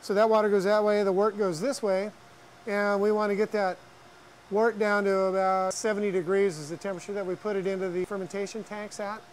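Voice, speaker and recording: A man's voice: high-pitched, little pitch movement, a little fast, slight background noise, rough recording. An American man giving an unscripted, practical walk-through explanation as a brewery guide. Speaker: brewery staff giving a tour. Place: on a walking tour around an industrial brewery, much of it outdoors.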